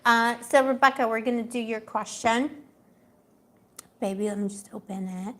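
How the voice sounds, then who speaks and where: A woman's voice: fairly high pitch, moderate pace, a bit bright. A woman giving a casual livestream tarot reading, chatty and gossipy, laughing often, with a voice she says is going. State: losing her voice. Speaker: tarot reader.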